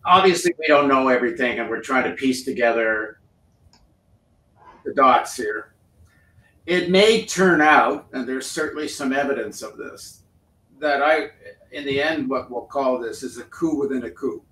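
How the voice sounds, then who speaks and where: Guy calmly explaining stuff as a guest, sounds far off in an echoey room. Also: medium pitch, normal speed. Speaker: guest commentator. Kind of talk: interview answer. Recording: roomy distant mic.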